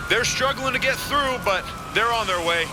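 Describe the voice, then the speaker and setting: A man's voice: very high-pitched, normal speed. A man playing a stressed, irritable police captain in an audio drama, speaking urgently. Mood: tense, urgent. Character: stressed, gruff-tempered police captain in a crisis. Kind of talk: fiction podcast acting. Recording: loud sirens and street noise. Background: police sirens, vehicles.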